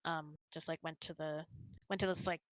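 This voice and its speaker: A woman's voice: sits low, steady tone, normal speed, a bit bright, no echo. A woman host chatting casually and answering audience questions in a giggly, chatty way.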